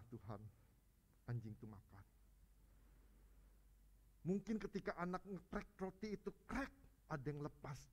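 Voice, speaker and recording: A male preacher giving a lively, conversational sermon at a church service, alternating loud rising peaks with quiet low stretches and often addressing the congregation directly. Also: slight background noise.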